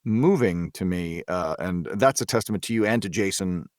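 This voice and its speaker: A man chatting as a voice actor guest in an interview, halting often as he searches for words. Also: deep voice, no room sound, clean studio sound. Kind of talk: casual interview discussion.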